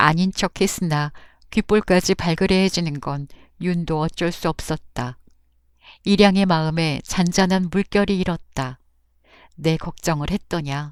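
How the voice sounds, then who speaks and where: Speaking at a fairly slow pace with long, frequent pauses, a woman shows ordinary pitch variation. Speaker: audiobook reader. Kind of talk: audiobook reading of a children's novel. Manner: soft-spoken, calm.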